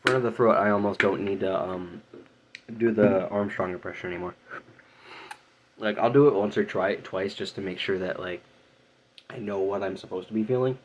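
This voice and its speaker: A man talking casually in a practice diary, explaining things in a halting, rambling way. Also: deep voice, fairly even intonation, slight background noise. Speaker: student vlogger learning harsh vocal technique.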